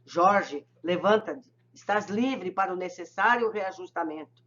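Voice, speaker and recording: A reader voicing a serene male spirit mentor who prays in a solemn, gentle, measured way, recorded a little muffled. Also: mid-range voice, natural voice. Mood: calm command.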